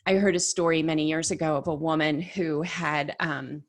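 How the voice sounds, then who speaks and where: A woman's voice: low-pitched, fairly even intonation, normal speed. Chatty woman leading a workshop. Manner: chatty, storytelling, frequent "like" and self-corrections. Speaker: workshop leader. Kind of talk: conversational workshop talk.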